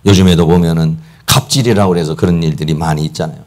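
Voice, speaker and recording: A middle-aged Korean pastor preaching a sermon emphatically, acting out quotes and piling up repeated words for stress. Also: male voice, sits low, fairly even intonation, fast, darkish tone. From South Korea. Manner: emphatic, acts out quoted speech, repeats "막" often.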